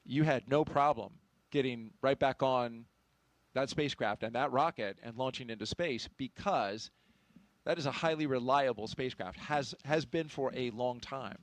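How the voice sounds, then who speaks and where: A man hosting live launch coverage in a measured, explanatory way. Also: medium pitch, no room sound. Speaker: launch broadcast host.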